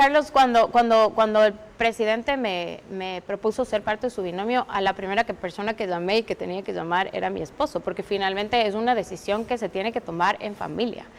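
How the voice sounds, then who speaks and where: Hardly pausing at all, a woman talks at a fairly quick pace in an ordinary speaking voice, with a fairly high pitch and ordinary pitch variation. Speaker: vice-presidential candidate. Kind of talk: interview.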